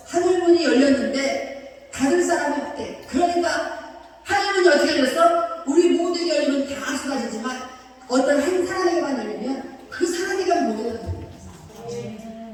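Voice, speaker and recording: Lady pastor preaching animated, talks casual, long church reverb, mic far off. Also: high voice. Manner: animated, colloquial, acts out quotes. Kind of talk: sermon. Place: church sanctuary. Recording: echoey church hall, distant mic.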